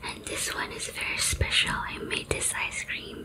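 A woman is whispering. She goes at a very slow pace. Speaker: ASMR food mukbang creator. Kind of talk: whispered mukbang talk to camera. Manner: whispered. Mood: excited, cheerful. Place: home room.

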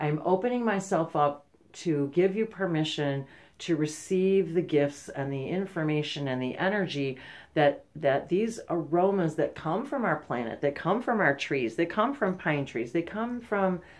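A woman's lively intonation carries through her moderately paced speech. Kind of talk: casual spiritual talk to viewers. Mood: warm, enthusiastic, laughing at times. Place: home room. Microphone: phone near.

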